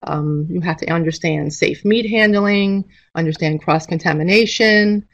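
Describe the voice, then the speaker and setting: A woman's voice: lowish voice, a little slow, lo-fi sound. A middle-aged woman giving an informal instructional presentation as a teacher, speaking over a video call. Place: indoor room, on a webcam video call.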